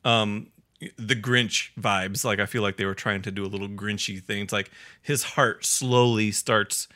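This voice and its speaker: A man hosting a podcast in casual chat, excited and laughing often. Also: on the low side, unhurried. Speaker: podcast host.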